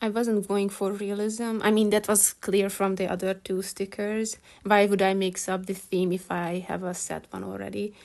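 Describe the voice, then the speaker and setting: A woman with a non-native accent talks at a moderate pace, hardly pausing, in a medium pitch. Her intonation is monotone and flat, and the background is quiet. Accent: non-native accent, self-noted. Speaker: artist vlogger. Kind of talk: scripted voiceover.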